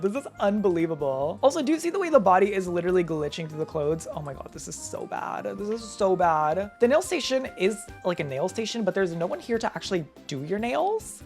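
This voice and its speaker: Young female gaming creator, lively swooping pitch, over-the-top reactions, faint music underneath. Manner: dramatic, exclamatory, quick reactions. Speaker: gaming YouTuber. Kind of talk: casual gameplay commentary.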